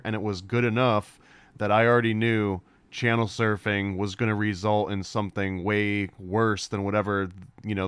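A man with a low, smooth and resonant voice talks as a guest in a casual podcast chat. He jokes dryly and holds his ground with mock stubbornness. The mic is close and dry. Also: a bit bright, no echo. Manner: wry, joking, mock-stubborn. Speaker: podcast guest, comic book creator.

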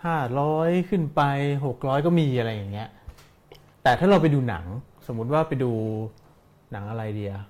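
A man's voice: mid-range voice, expressive, moderate pace, darkish tone. A man interviewing a guest, asking questions in an easygoing, joking way. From Thailand. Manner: easygoing, joking, uses many hmm fillers.

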